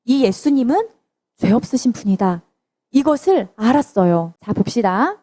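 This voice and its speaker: A woman's voice: on the high side, sing-song, normal speed, dark tone. A woman preaching to children in church, telling the story and asking them questions. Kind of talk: children's sermon.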